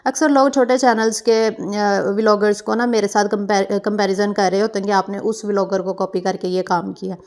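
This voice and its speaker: A woman's voice: mid-range voice, darkish tone. Young Pakistani woman, mid-range voice, talking viewers through her cooking in a rambling way. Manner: chatty, meandering, with frequent fillers and self-corrections. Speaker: cooking vlogger. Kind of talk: casual vlog narration.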